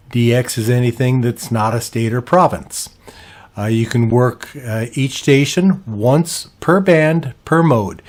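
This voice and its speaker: A man hosts an instructional video, explaining each step in a measured way. His pitch sits in the middle range for a man, and he takes his time with an unhurried delivery. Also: darkish tone. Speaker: ham radio video host. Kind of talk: instructional narration, walking through a website.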